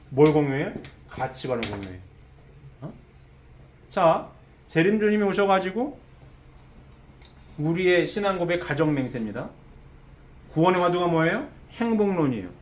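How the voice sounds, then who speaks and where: A man preaching a sermon, asking rhetorical questions and adding quick "eh?" asides to check that listeners follow. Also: on the high side, roomy sound, a little hiss or hum.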